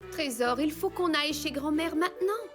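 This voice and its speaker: A gentle mother played by a woman speaks reassuringly in a high cartoon voice. Music is clearly heard behind her. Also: normal speed, lightly acted. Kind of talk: French cartoon dub acting.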